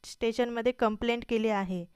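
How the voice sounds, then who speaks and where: A frightened young man begs for help, his voice thick with tears, as a woman reads him out. The tone is smooth and very clear and sits a little high. The sound is close and dry. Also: steady tone, fairly quick, darkish tone, no echo, dull audio, natural voice. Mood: pleading, tearful. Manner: pleading, crying.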